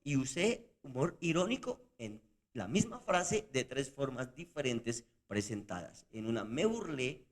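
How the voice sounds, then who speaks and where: A man's voice: mid-range voice, very animated, unhurried. A man co-hosting a Christian podcast, explaining points emphatically and acting out example lines in casual discussion. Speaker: podcast co-host.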